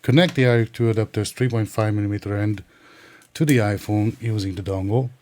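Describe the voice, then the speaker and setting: A man's voice: on the low side, steady tone, brisk, a little mellow. A man narrating an instructional tech tutorial in a methodical, precise, explanatory way. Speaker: tech reviewer and tutorial presenter.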